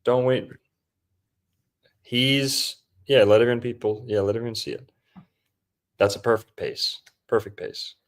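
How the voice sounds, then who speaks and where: A man's voice: mid-range voice, fairly even intonation, unhurried, long pauses. A young man hosting a podcast, joking and mocking as he comments over a film on a video call. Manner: joking, mocking, slips into put-on impressions. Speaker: podcast host.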